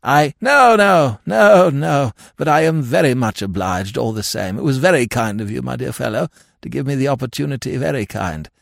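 A man acts out an elderly English lord from a comic storybook, benevolent and woolly-minded. The voice rides high and wavers up and down with a little creak. He dithers and repeats himself, in a close, dry recording. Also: very animated, unhurried, no room sound, heavily acted. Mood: vaguely hearty. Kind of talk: comic novel audiobook character voice.

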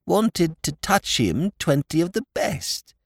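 A reader voicing a bumbling young aristocrat who talks in clipped, slow, telegraphic phrases. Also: medium pitch, big pitch swings, breathy edge, no room sound, clean studio sound, voice pushed up, exaggerated voice. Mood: blustering. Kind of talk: audiobook character voice.

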